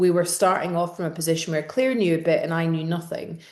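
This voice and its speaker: A woman with a Scottish accent talks at a fairly quick pace and a fairly low pitch. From Scotland, North East Fife. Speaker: writer and campaigner. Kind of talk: interview conversation. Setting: online video call.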